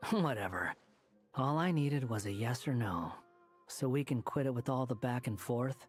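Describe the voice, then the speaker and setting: Game role: sardonic young male wanderer, acted by a man, mid-pitched, cool and dismissive, faint music behind. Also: animated, a little slow, lightly acted. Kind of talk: video game voice acting.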